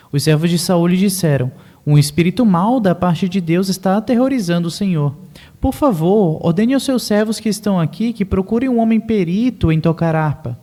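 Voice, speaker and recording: A man with a high voice but a dark, mellow tone reads scripture aloud at a congregation meeting. He keeps a steady, careful pace. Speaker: congregation member reading scripture. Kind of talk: reading aloud from the Bible.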